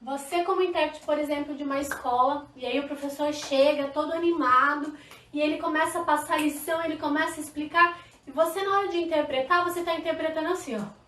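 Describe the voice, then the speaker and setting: A woman from Brazil teaching a live online sign language class, lively and demonstrative. Her voice is high. It is picked up a little off-mic in an echoey room. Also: quick pace, far from the mic, a little hiss or hum. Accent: Brazilian Portuguese. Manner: lively, demonstrative, talks to viewers directly. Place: indoor room, live stream.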